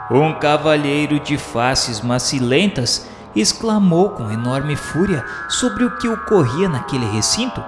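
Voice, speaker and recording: A man with a Brazilian accent giving a solemn, formal, measured dramatic narration, like a scripted radio novela. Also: mid-range voice. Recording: echoey, long reverb, music behind. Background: music.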